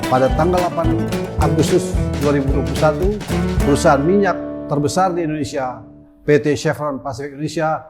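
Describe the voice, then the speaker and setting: An older man hosting an online talk show, introducing a guest and asking slow questions with many fillers. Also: on the high side. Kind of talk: casual interview chat.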